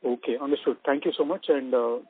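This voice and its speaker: Male analyst caller, mid-pitched, courteous and conversational, thin telephone audio. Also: a little fast, no echo. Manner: polite, conversational phrasing. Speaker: analyst caller asking questions. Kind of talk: earnings call questioning. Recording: narrowband tinny phone line.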